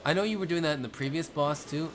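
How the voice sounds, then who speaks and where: A man's voice: a little high, fast talker, background noise. A young man co-hosting a gaming video, chatting casually and riffing with jokes and wordplay while watching an arcade game. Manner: jokey, riffing, playful wordplay. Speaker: co-host of a gaming show. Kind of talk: casual let's-play banter.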